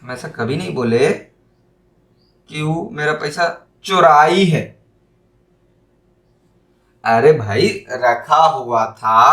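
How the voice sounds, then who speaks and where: A man giving a spoken lesson on communication, stressing single words and drawing out example sentences slowly. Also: fairly high pitch, a bit bright. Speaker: teacher.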